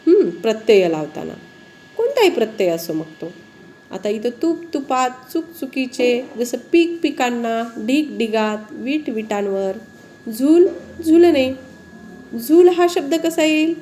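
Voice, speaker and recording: Lady teacher, slow, bouncy highish voice, quizzing pupils on spelling. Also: very animated, dark tone, a little hiss or hum. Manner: explains slowly, often asks pupils questions. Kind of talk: spelling lesson.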